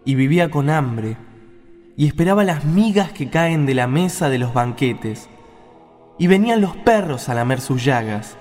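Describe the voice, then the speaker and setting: An Argentine man playing Jesus as a measured teacher telling a parable in an amateur radio play, slowly and deliberately. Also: mid-range voice, lively intonation, a little mellow, lightly acted. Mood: measured storytelling. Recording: long reverb, music behind.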